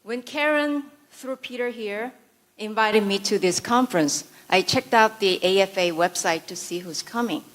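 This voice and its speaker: A Korean-accented woman addresses a conference audience in English, her second language. She delivers a prepared speech at a mid-range pitch. She talks with dry, sarcastic wit and mock-serious asides. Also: moderate pace. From South Korea. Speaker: conference speaker.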